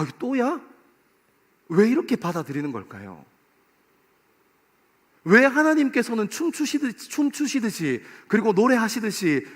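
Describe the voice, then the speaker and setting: A pastor in his forties preaching to a young adults service in a church, playful and lively, acting out little scenes. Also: high voice. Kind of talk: sermon. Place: church sanctuary. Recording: long hall reverb.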